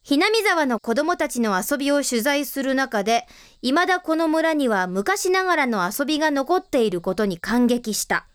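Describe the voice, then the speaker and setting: A voice actress playing a bold, tomboyish teenage club leader, breezy and theatrical, in an anime audio drama. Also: female voice, sits high, animated, normal speed, no room sound, clean studio sound. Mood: reading aloud.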